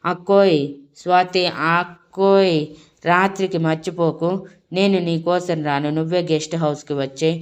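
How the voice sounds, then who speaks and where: A woman storyteller voicing a bold young wife who teases her rival with drawn-out mocking words. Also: fairly low pitch, fairly even intonation, lightly acted. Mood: teasing. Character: bold teasing young wife, sly and confident.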